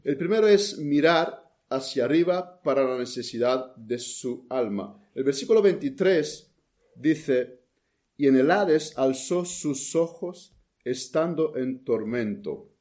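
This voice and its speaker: A man preaching a sermon in an earnest tone, reading scripture aloud and pausing to explain it. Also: medium pitch, animated, a little mellow. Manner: earnest, reads scripture aloud with pauses and restarts.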